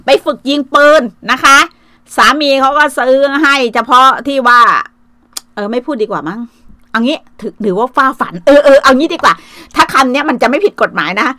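High-voiced, foul-mouthed woman livestreaming. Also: expressive, moderate pace, bright, forceful tone, no room sound. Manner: coarse, swearing, taunting. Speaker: livestream host. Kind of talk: casual livestream rant. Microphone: phone livestream.

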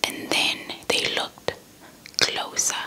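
A young woman from South Africa whispering a folktale in ASMR style close to a small microphone, deliberate and repeating words. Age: young adult. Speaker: ASMR storyteller. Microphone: small handheld mic held close to the mouth.

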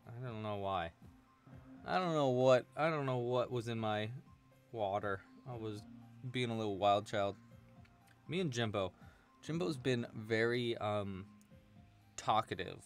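A chatty young man leads a live crochet lesson from home, his voice rising and falling in an animated way. He jokes and answers chat as he works at a desk mic. Soft music plays quietly behind him. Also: fairly low pitch. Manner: chatty, playful, laughs often, reads chat aloud. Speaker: crochet teacher. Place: small room at home, indoors.

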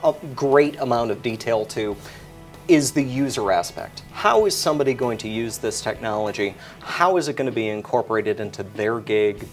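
A man in his forties explaining a product as an expert, articulate and technical in his wording. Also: mid-range voice.

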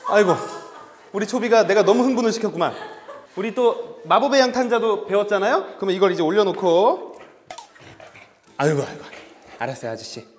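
A male veterinarian who specializes in dog behavior and training runs an upbeat demonstration, breaking into cheerful praise and firing off quick commands. His voice is high, with slight background noise, in an echoey hall where faint music plays.

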